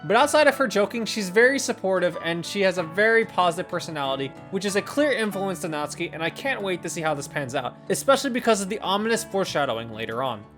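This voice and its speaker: Quick-paced reviewer, animated intonation, enthusiastic scripted narration, opinionated, instrumental music underneath. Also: medium pitch. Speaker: video game reviewer and host. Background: guitar and instrumental music.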